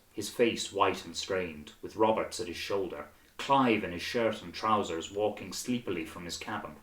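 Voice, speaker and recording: Low-voiced male narrator, roomy sound. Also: a bit bright. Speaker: audiobook narrator. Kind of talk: scripted storybook narration.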